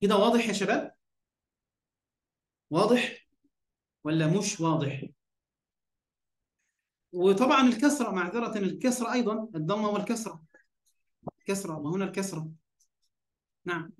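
A man's voice: sits high, lively intonation, normal speed, long pauses, reverberant. A man with an Egyptian accent teaching Arabic grammar in an online lesson. He poses questions, answers them himself, and keeps checking that his students follow.

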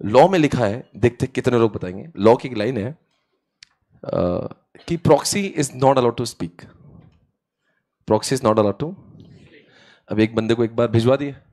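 A man's voice: medium pitch, mellow. A young man teaching law in a classroom lecture, playful and acting out quoted exchanges, mixing into his Hindi.

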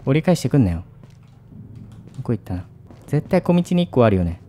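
A man's voice: mid-range voice, sing-song, a little fast, warm tone. A man hosting a gaming video, commentating on a horror game in speech, shifting between muttering and jumpy outbursts.

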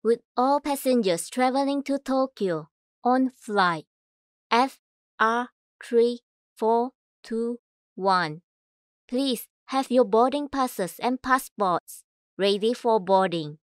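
A woman reading scripted public announcements in a formal, measured, carefully enunciated manner. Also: fairly high pitch, expressive, no echo, studio quality. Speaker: voice-over announcer.

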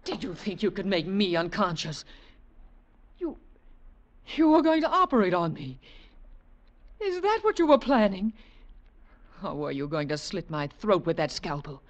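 A woman's voice: medium pitch, very animated, unhurried, pauses often. An actress playing a seductive, coldly power-mad woman with an imperious, theatrical manner in a 1940s radio drama. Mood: scornful, commanding. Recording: muffled 1940s radio recording.

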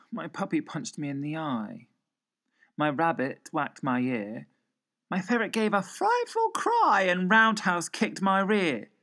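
A man's voice: on the high side, pushed and bright, heavily acted. A man performing as a wry, mock-serious reciter of a comic children's poem.

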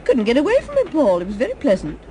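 An actress playing an inquisitive, affectionate detective's wife in a radio drama. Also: female voice, sits high, huge pitch swings, fast, dark tone, slight background noise. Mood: warm, sleepy.

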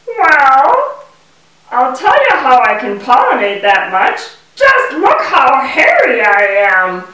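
A woman's voice: high voice, huge pitch swings, takes it slowly, sharp tone, heavily acted. Woman as a bubbly bee puppet in an echoey room. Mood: boastful. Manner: boastful, theatrical, sing-song rhyming delivery. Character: proud, bubbly talking male mason bee puppet. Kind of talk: children's puppet show performance. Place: indoor puppet stage, far from the mic. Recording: echoey room, distant microphone.

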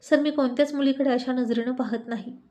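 A young male college student, flustered and indignant, protesting his innocence in a narrated story, as a woman reads him. The voice sits fairly high, in the teller's own plain tone. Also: fairly even intonation, fairly quick, mellow, close to an everyday voice. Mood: pleading. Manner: protesting, pleading.

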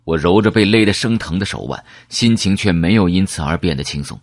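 A man's voice: sits low, animated, brisk, no echo, studio quality. A man narrating a novel in the first person as an audiobook reader, in a dramatic storytelling style.

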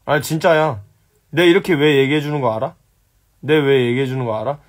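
A man's voice: medium pitch, a little fast. Blunt, swearing young man on a live stream. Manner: blunt, teasing, swears at viewers. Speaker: live-stream host answering viewer questions. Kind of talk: casual live-stream chat. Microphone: phone.

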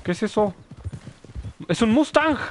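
A man's voice: sits high, lively intonation, a little slow, a little hiss or hum. A man commenting live on his gameplay, chatting with viewers and yelping at mishaps. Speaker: gaming streamer.

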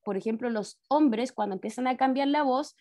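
A woman's high, warm voice at normal speed carries a Chilean Spanish accent as she teaches an online science class from home. She explains in steps, speaks to the pupils as children, and follows each point with a tag question. The audio comes from a laptop mic on a video call.

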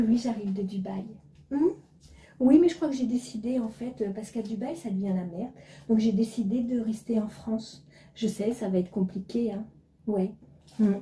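Comic sketch: woman voicing a frightened wealthy lady, boastful and anxious, mellow and higher-pitched. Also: reverberant, a little hiss or hum, natural voice. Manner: frets and complains, boasts about prices. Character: anxious, fearful rich woman back from abroad.

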